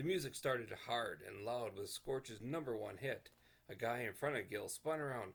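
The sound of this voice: The recording features an unforced reading voice.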